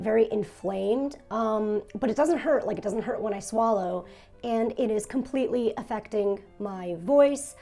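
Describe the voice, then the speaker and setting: A young woman hosting a casual food-tasting vlog, hoarse and nearly losing her voice, talking in a subdued, raspy monotone with small laughs. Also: mid-range voice. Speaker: food vlogger. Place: her home in Japan.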